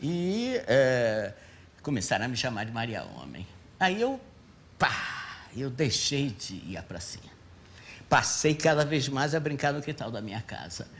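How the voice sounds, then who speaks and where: A man with vocal fry speaks in a fairly high voice with lively intonation, at a fairly slow pace marked by long, frequent pauses. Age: 60s. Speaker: author. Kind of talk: talk show interview.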